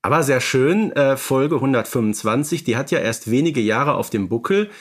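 A man's voice: medium pitch, expressive, normal speed. A man co-hosting a podcast in casual discussion, appreciative and feeling his way through his phrasing. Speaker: podcast co-host.

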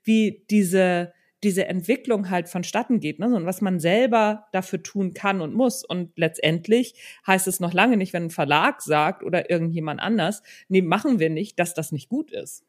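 A woman's voice: fairly low pitch, moderate pace, few pauses. A woman hosting an interview in a casual, engaged way, acting out quotes informally. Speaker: interviewer, podcast host.

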